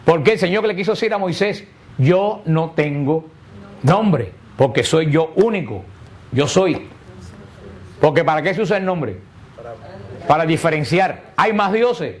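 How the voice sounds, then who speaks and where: Higher-voiced man explaining catechesis. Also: animated, unhurried, long pauses. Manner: explanatory, asks rhetorical questions and answers them. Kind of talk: catechesis lesson to a group.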